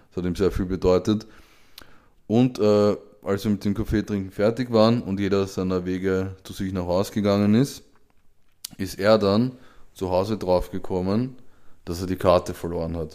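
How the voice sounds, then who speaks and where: The voice has a dark, mellow tone, fairly even intonation and a moderate pace. The recording is very clean, with a silent background. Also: man. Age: 20s. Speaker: podcast co-host. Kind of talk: casual chat.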